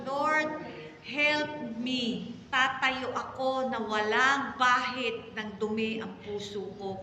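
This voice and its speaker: A middle-aged Filipino woman pastor preaching a story-filled sermon, with sudden loud exclamations and drawn-out emphasis. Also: high voice. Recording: echoey hall reverb, faint background noise.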